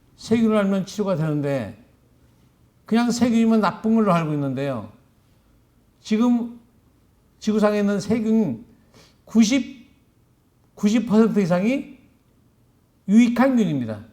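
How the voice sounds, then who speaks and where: This man has a high pitch and a dark, mellow tone, with lively intonation. He speaks at a very slow pace with long, frequent pauses, and room echo is audible. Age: 70s. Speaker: lecturer, inventor and entrepreneur. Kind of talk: lecture. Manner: halting, with frequent fillers.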